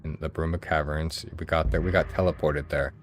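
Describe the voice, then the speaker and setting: Streamer: American man, chatty and profane, with an extremely low voice. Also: fairly even intonation, brisk, a little hiss or hum. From United States. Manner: chatty, swears freely, talks to viewers. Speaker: game streamer. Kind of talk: casual gameplay commentary.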